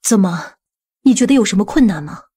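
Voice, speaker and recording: A woman playing a composed, scheming aunt in an audiobook, measured and authoritative. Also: mid-range voice, expressive, dark tone, breathy edge. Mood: firm. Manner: measured, matter-of-fact, authoritative. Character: composed, commanding, scheming aunt of a powerful family.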